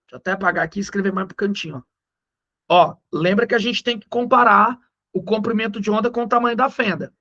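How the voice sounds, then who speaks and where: A man with a Brazilian accent teaching physics in a recorded lesson. He talks in a slangy, joking way and slows down to stress the key numbers. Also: high-pitched, bright, forceful tone, dull audio. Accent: Brazilian Portuguese.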